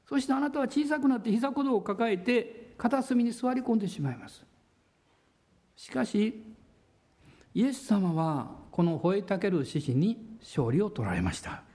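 A man pastor preaching a sermon in a church, with drawn-out pauses and a voice that sometimes drops to a near whisper. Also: high-pitched, expressive, warm tone.

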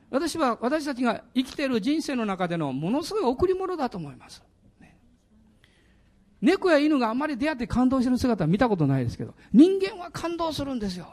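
High-pitched, animated man preaching. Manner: animated, laughing asides to the congregation. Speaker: pastor. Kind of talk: sermon.

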